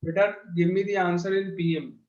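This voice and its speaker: A man with a South Asian accent teaches maths in a high-pitched voice. He goes step by step and repeats phrases for his pupils. The sound is echoey and dull. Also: steady tone, fairly quick, a crowd in the background. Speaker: mathematics teacher. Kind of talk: online maths lesson, explaining step by step. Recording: dull, echoey lo-fi class audio.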